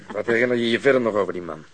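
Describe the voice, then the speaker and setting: A man's voice: medium pitch, animated, fast talker, close to an everyday voice. An actor playing a big, blunt, impatient policeman in a radio drama, questioning tersely and insistently. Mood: probing, brisk.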